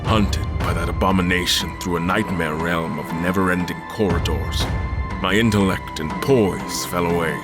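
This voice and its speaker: Haunted elderly admiral for horror audio drama, male actor: deep, formal, weary narration, prominent music underneath. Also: fairly even intonation, natural voice. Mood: grave, fearful. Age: older. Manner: grave, formal, deliberate. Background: loud music.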